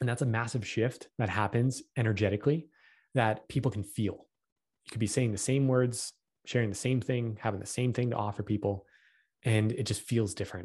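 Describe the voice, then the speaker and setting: A man's somewhat breathy voice with fairly even intonation against a quiet background. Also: medium pitch for a man, fairly quick pace. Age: 20s. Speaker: spiritual podcast co-host. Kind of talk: personal story monologue.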